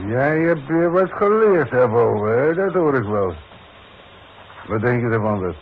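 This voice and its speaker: A sly foreman in a vintage radio play, middle-aged and used to giving orders. He needles and insists with smug confidence in an average-pitched voice. The sound is muffled, with faint noise. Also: sing-song, unhurried. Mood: coaxing, needling. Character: sly, bossy demolition foreman, needling and scheming. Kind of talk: 1960s Dutch radio play acting. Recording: muffled, hissy 1960s radio recording.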